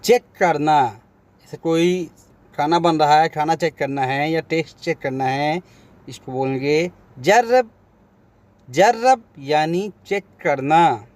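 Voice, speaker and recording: A man's voice: a little high, slow pace. A man teaching vocabulary, repeating each word and then giving its meaning. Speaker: language teacher. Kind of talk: vocabulary lesson.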